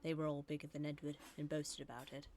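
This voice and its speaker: A woman performing as a storybook narrator, telling a children's railway tale in a measured way. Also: low voice, level tone, darkish tone, slight background noise, voice pushed down. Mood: gentle. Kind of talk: scripted storybook narration in switched accents.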